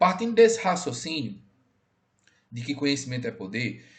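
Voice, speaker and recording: A man's voice swings very widely in pitch. Echo from the room is audible. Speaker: teacher. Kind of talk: lecture.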